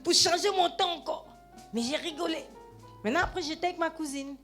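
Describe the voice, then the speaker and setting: A woman pastor with a high voice preaches in a church, addressing the congregation directly in a lively, conversational manner. She tags her phrases with "hein" and calls for "amen" as she goes. Soft music plays faintly underneath. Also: fairly quick. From Gabon. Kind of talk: sermon.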